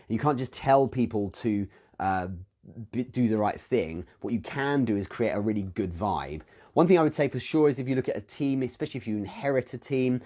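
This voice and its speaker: A man's voice: fairly low pitch, mellow. A British man hosting a live question-and-answer stream, thinking aloud with frequent restarts and self-corrections. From United Kingdom. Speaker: host answering business questions.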